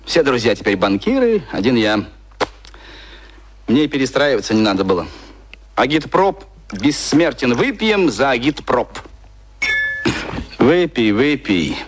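A man's voice: medium pitch, big pitch swings, measured pace, long pauses, a little hiss or hum. An actor playing a cynical, convivial adman in a radio play, talking like a sardonic mentor over drinks. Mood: tipsy, cynical. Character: cynical, convivial male adman, former propaganda official, drinking. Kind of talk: naturalistic radio play dialogue.

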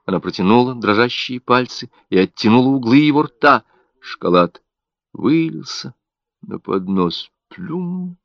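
A man narrating an audiobook with an expressive, dramatic delivery. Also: mid-range voice, normal speed, gravelly, no room sound. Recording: dull, dry audiobook recording.

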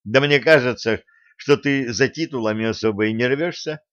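A man voicing a gruff, angry middle-aged fencing coach who scolds and shouts. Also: medium pitch, moderate pace, no echo, dull audio, close to an everyday voice.

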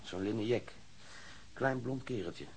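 A man playing a self-assured wounded policeman in a radio drama, matter-of-fact, pausing as he recalls. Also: medium pitch, gravelly, darkish tone, a little hiss or hum, low-quality recording. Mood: recalling, assured. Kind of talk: naturalistic radio drama acting.

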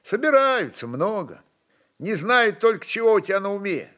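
A man's voice: sits high, very animated, moderate pace, fairly bright tone, voice pushed up. A man voicing a simple, good-natured young Cossack with plain, folksy speech. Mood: plain, earnest.

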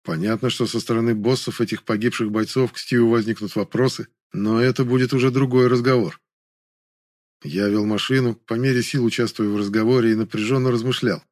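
A man narrating a first-person audiobook in a calm, even reading manner. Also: mid-range voice, brisk, no echo, clean studio sound.

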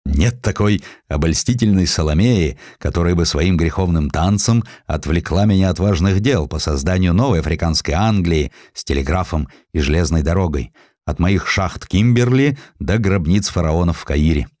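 Guy reading as a snooty victorian colonial tycoon who hates women, low voice, pompous speechifying, audiobook. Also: lively intonation, moderate pace, darkish tone, no echo, studio quality. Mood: haughty scorn. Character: haughty Victorian colonial magnate, scornful misogynist man.

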